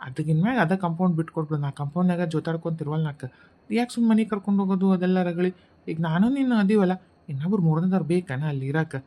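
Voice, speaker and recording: A woman's voice: on the low side, very fast, dark tone, lightly acted. A woman with a North Karnataka Kannada accent, voicing a sly, grumbling female ghost in a cartoon. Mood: coaxing. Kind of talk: cartoon voice acting.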